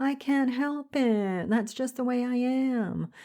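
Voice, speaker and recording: In a put-on character voice, a female-sounding speaker goes nasal and whiny at a high pitch and a fairly slow pace, recorded very cleanly over a silent background. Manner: complaining, defensive.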